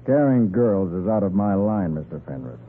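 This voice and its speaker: A man's voice: low voice, very animated, moderate pace, phone-quality sound. A man playing a self-assured, wry private detective in a 1940s radio drama, on an old noisy recording. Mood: cool, wry. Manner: wry, unruffled.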